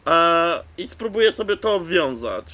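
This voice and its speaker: A man playing a tabletop role-playing game on a call. His voice is fairly high and he speaks very slowly, casually telling what his character does. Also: big pitch swings, sharp tone. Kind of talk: describing character actions casually.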